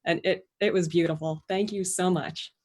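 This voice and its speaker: A woman's voice: lowish voice, steady tone, normal speed, darkish tone. An American woman talking casually and appreciatively to a group on a video call. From Pennsylvania, United States. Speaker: meditation attendee.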